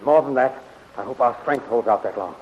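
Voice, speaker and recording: An actor playing a brave, tender young space hero, earnest and reassuring, in 1930s radio serial style. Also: male voice, mid-range voice, a little fast, close to an everyday voice. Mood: urgent, determined. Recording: dull, noisy 1930s radio recording.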